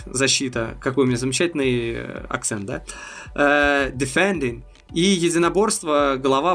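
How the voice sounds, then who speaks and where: A man's voice: mid-range voice, fairly bright tone. A man co-hosting a football podcast, talking things through in a thoughtful, analytical way with hesitant fillers. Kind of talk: casual chat.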